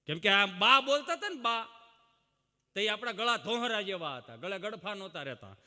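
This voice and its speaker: A man telling a folksy comedy monologue on stage, preaching to the audience and breaking into mock shouts and sung lines. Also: sits high, sing-song, normal speed. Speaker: comic storyteller. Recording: long hall reverb.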